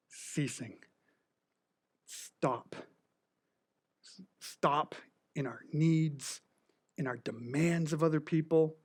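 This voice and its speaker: Animated preacher with a slight lisp. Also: male voice, on the high side. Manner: animated, swings from loud to whispered; joking, self-deprecating. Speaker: pastor. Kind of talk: sermon.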